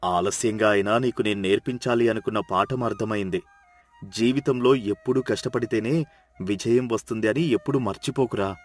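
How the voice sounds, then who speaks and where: A man's voice: fairly low pitch, fairly quick, faint music behind, natural voice. A man voicing a proud, encouraging older village farmer who gives advice in a storybook tale. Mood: proud advising. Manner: encouraging, advising. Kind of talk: storybook character dialogue.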